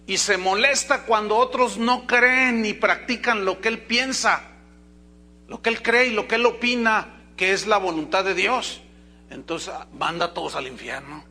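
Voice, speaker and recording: High bright-voiced Mexican pastor preaching. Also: male voice, measured pace. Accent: Mexican Spanish. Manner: conversational preaching, acts out quoted dialogue, asks the congregation questions. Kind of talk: sermon. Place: church.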